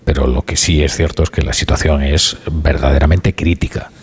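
A male radio host leading a live news discussion, measured and hesitant, often pausing with fillers. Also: very deep voice, steady tone, husky.

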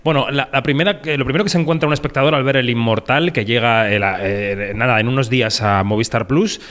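A man's voice: mid-range voice, fast, a bit bright, a little hiss or hum. Meandering male interviewer from Madrid. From Madrid, Spain. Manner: meandering, hesitant questions with fillers. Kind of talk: casual interview questions.

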